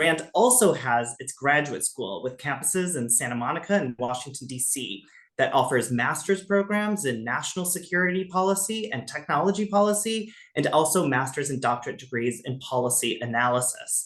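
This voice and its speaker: A fairly high male voice, fairly quick and with hardly any pauses, full of very wide pitch swings. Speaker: research institute co-director and webinar moderator. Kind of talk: webinar introduction. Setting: online webinar. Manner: fast.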